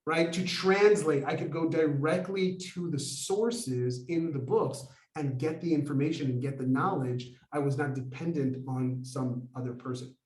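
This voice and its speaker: A man in his forties, raised in America, telling a lively personal story to an audience as a Kabbalah teacher, acting out the dialogue as he goes. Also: fairly high pitch, normal speed, hardly any pauses, far from the mic. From United States. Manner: animated, acts out dialogue, many fillers. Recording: echoey room, voice from afar.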